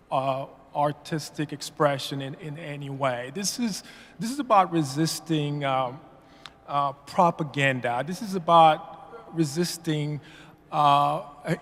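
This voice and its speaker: Slow, halting man at a hall mic. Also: a little high. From Haiti. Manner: halting, many fillers and restarts. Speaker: public commenter. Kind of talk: public meeting testimony. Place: public meeting hall. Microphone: podium mic. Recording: long reverb of a meeting hall.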